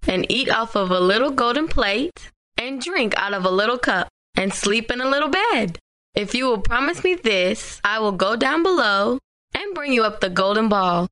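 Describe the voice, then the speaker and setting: A woman voicing a persistent little male frog in a storybook reading, speaking in a soft, coaxing way. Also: fairly high pitch, expressive, moderate pace.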